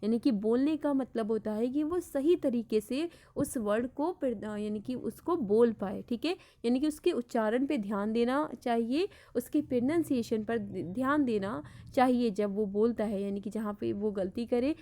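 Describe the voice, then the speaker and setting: A woman with an Indian Urdu accent teaching an online class, explaining slowly and repeating each point, with English words mixed in. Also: on the high side, mellow. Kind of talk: online lecture.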